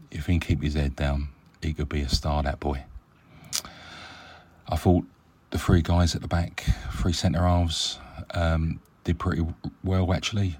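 A man leaving a casual, rambling voice message as a caller to a fan show. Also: rumbling low. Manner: relaxed, chatty, hesitant with many ums. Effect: recorded voice message.

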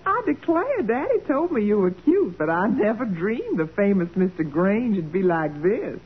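Gushing Southern belle, old muffled radio. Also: female voice, mid-range voice, big pitch swings, normal speed, husky. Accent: American Southern. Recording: muffled, narrow-band old radio recording.

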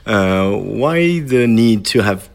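A man interviewing a singer on the radio, asking questions hesitantly with many pauses and "uh"s. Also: lowish voice, lively intonation, vocal fry.

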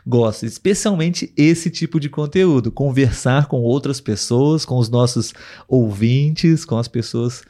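A man hosting a live podcast, talking patiently and clearly with listeners over a video call. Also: medium pitch, mellow. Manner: patient, clear, slowed for learners. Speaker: podcast host.

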